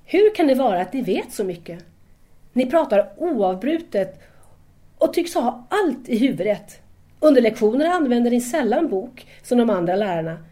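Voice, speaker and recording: A woman's voice: on the high side, very animated, warm tone. A woman acting in an audio drama as a shy, admiring young female student who doubts herself and speaks hesitantly and deferentially.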